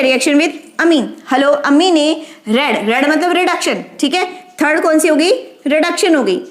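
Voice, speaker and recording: A woman teaching chemistry with a memory trick, who asks the class questions and answers them herself. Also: sits high. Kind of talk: explaining a lesson with a memory trick. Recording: roomy echo.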